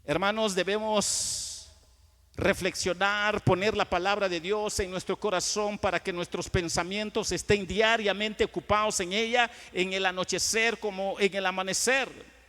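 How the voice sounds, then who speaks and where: A male pastor with a Guatemalan Spanish accent preaching a sermon in a church, swelling to loud emphasis and dropping to quiet asides. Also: sits high, steady tone, measured pace. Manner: acts out dialogues with churchgoers. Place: church sanctuary. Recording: long church reverb.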